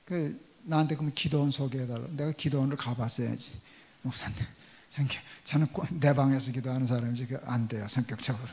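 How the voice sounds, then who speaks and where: A man's voice: mid-range voice, steady tone, quick pace, darkish tone. An older man in his sixties, a pastor telling a personal story in a sermon and acting out the quoted dialogue. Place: church sanctuary. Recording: long church hall reverb.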